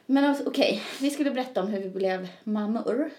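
A woman's voice: fairly high pitch, darkish tone. A woman in her twenties with a Swedish accent, co-hosting a podcast in casual, joking chat. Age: 20s. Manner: wry, joking. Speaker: podcast co-host. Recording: roomy echo.

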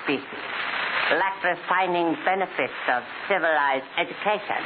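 A man's voice: high-pitched, moderate pace, close to an everyday voice. Hissy old-radio mock-humble Chinese gunman, played by a man. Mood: politely menacing. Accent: put-on Chinese. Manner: formal, flowery, mock-humble, clipped broken English. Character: menacing, mock-humble Chinese gunman with ornately polite speech. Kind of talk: 1940s radio crime drama acting. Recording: hissy, narrow-band 1940s radio recording.

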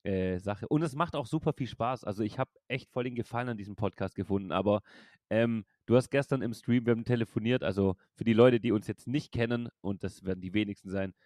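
With a lowish, darkish voice, this podcast host and streamer in his thirties talks fast, captured in a dry, studio-quality recording. His casual podcast chat rambles, with frequent laughter and a loose, swearing style.

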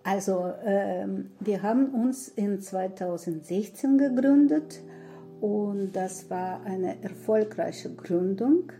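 A woman in her sixties from Ukraine, answering interview questions in a halting way with many pauses and fillers. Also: medium pitch, warm tone, faint music behind. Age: 60s. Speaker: guest, association founder.

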